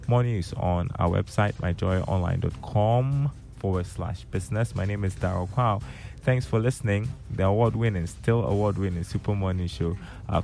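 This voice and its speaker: A man's voice: low-pitched, vocal fry, a little mellow. A man with a Ghanaian accent presenting a business news bulletin on the radio.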